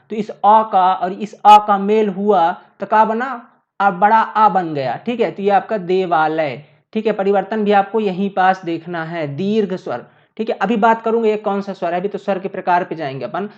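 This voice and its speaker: In a muffled recording, a woman's mid-range, somewhat mellow voice delivers a classroom lesson at a board. She walks through it step by step, repeats herself, and answers her own questions.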